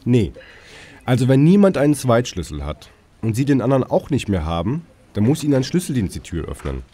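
An actor playing a weary police emergency dispatcher, dry and sarcastic. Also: male voice, mid-range voice, big pitch swings, fairly quick, mellow. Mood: sardonic. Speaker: police emergency call operator. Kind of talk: radio play with narration.

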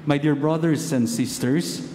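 A middle-aged man reading scripture solemnly and deliberately as a priest, slightly muffled by a mask, with cathedral echo. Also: a little high, dark tone. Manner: measured, deliberate phrasing. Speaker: priest reading the Gospel at Mass. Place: large basilica sanctuary. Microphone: gooseneck lectern microphone. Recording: cathedral echo, long reverb, faint noise.

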